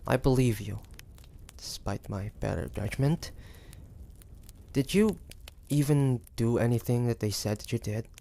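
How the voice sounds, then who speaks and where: Guy playing a suspicious old-time demon hunter in an audio roleplay, slow and gravelly, stubborn, kinda halting. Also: mid-range voice, warm tone, slight background noise. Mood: grudgingly convinced. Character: wary, stubborn male demon hunter of the 1850s. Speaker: voice actor. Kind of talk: dramatic roleplay audio acting.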